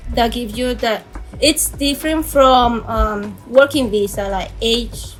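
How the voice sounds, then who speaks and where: A woman's voice: fairly high pitch, slow, faint music behind. A young woman from the Dominican Republic, a fashion designer, answering interview questions carefully with small restarts.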